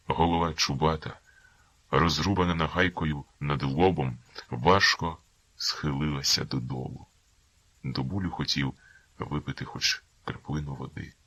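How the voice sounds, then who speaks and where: A man narrating literary prose as an audiobook in a measured, dramatic reading. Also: very deep voice, pushed and bright, dry recording.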